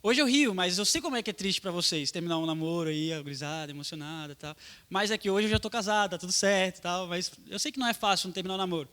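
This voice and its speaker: A man's voice: high-pitched, quick pace, sharp tone, smooth. A young adult man, a pastor preaching a sermon in a casual, slangy way aimed at young people.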